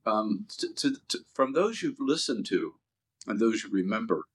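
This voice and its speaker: A man hosts a relaxed interview. His voice is fairly low. He prompts his guest with easygoing questions and drops in plenty of hesitant fillers. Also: normal speed. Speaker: interviewer, podcast host. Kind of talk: conversational interview.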